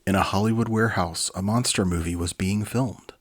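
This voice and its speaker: Low-voiced man reading a storybook. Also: fairly even intonation, a little fast. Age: 40s. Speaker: host reading a children's book aloud. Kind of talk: casual chat and expressive storybook reading.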